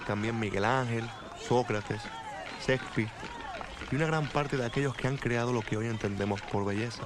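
An actor with a Cuban accent playing an imprisoned writer who calmly narrates his life in prison, in a film voice-over. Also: medium pitch, normal speed, background noise, natural voice. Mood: wry, reflective. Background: loud film music.

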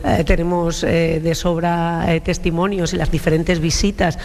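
A woman explaining her view thoughtfully, with filler pauses, as a panelist in a roundtable debate. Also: on the low side, flat delivery, darkish tone, big-room sound.

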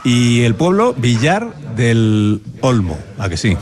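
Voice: medium pitch, sing-song, takes it slowly, a little mellow. A reporter asking chatty, friendly questions in a classroom and laughing often. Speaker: reporter interviewing in a school. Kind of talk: casual interview. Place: rural classroom.

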